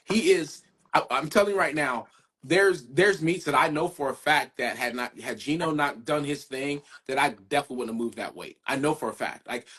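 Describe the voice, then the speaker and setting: Husky-voiced man, emphatic. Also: fairly high pitch, fairly quick, fairly bright tone. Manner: emphatic, repeats himself. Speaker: podcast host. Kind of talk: casual podcast chat.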